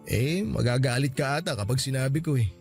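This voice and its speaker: A man's voice: medium pitch, a little fast, gravelly, faint music behind, close to an everyday voice. A man playing a young husband in a radio drama, defensive and pleading. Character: young husband, soft-hearted and placating.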